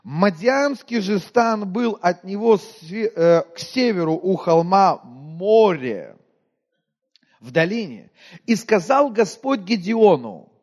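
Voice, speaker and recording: A preacher from Moldova with a high voice for a man, talking through his sermon like a conversation. He quizzes the congregation and often sinks to a near-murmur. His words ring out with a long hall reverb. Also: sing-song, takes it slowly. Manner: conversational, asks the congregation questions, often drops to a quiet voice.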